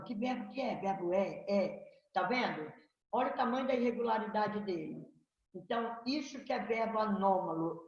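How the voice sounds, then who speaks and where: Slow, patient woman teacher. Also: mid-range voice, distant mic. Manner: explains slowly, asking "tá vendo?" and "né?". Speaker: Portuguese teacher. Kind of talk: classroom lesson. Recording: echoey, dull, lo-fi classroom recording.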